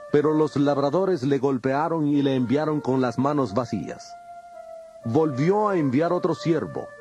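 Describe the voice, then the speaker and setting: A grave, authoritative male teacher played by an actor in a dramatized scripture recording. He declaims solemnly in a mid-pitched voice, with faint music behind him. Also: a little mellow, lightly acted. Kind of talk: dramatized audio Bible acting.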